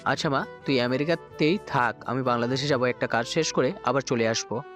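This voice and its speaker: A wealthy middle-aged crime boss, voiced by a man in a story audio drama. He talks in a clenched, hard-edged way at a middle pitch. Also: brisk, fairly bright tone, soft background music, natural voice. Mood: calm fatherly. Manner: angry, clenched.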